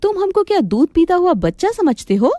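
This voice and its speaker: A woman's voice: very high voice, sing-song, fairly quick, dark tone, a little hiss or hum, pitched above the performer's own voice. A woman voicing a hot-tempered young wife in a cartoon, scolding and commanding.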